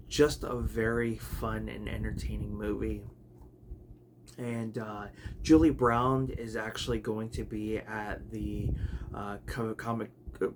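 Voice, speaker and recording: A home video collector vlogger chats casually and unscripted about his video collection, rambling with lots of fillers and restarts. His lowish voice is a bit raspy, and he clears his throat. There's noticeable background noise in the recording.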